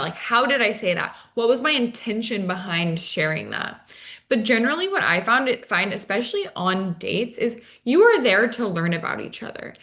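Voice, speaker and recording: Woman, medium pitch, interview guest, dating coach, conversational advice, articulate, explanatory, rhetorical questions. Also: a bit bright.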